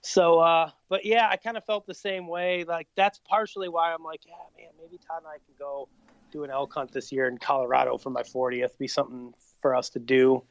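Gravelly-voiced man in his late thirties. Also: fairly high pitch, steady tone, brisk, no echo, dull audio. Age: 30s. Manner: easygoing, rambling with frequent fillers. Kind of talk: casual chat.

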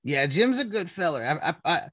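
A man's voice: on the high side, sing-song, fairly quick, a bit bright, dry recording. A man hosting a podcast, easygoing and folksy in casual conversation. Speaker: podcast host.

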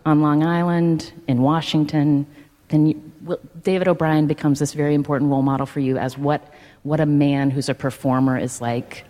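Low-voiced woman interviewer. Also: steady tone, moderate pace, warm tone, long reverb tail. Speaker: podcast host. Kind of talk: interview questions.

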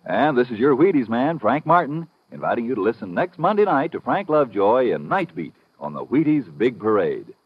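A man's voice: medium pitch, sing-song, fairly quick, few pauses. An American man giving folksy, colloquial sales patter as the announcer of a 1950s radio advertisement. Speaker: commercial announcer. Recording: muffled vintage radio recording.

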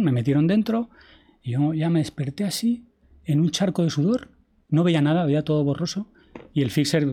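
Man telling a story, mellow tone. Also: mid-range voice. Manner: vivid retelling, acts out quoted dialogue, swears casually. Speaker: podcast guest, traveler. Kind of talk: casual storytelling interview.

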